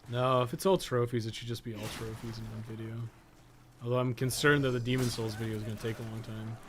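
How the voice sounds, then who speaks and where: A man's voice: mid-range voice, little pitch movement, fast talker, a bit bright, slight background noise. A man giving casual live gameplay commentary, rambling and thinking aloud in loose, sometimes profane language. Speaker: podcast co-host and gaming streamer.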